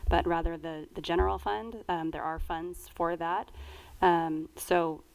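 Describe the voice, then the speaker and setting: A woman's voice: lowish voice, steady tone, unhurried, vocal fry, rough recording. A woman stating her position matter-of-factly as a council member in a public meeting.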